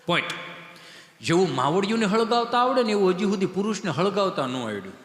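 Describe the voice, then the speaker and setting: A male stand-up comedian with a Kathiawadi Gujarati accent tells rustic comic stories on a live stage, animated and full of dialect banter. His voice sits high, he talks fast, and there's a little hiss or hum. The sound is an echoey hall through a live stage PA.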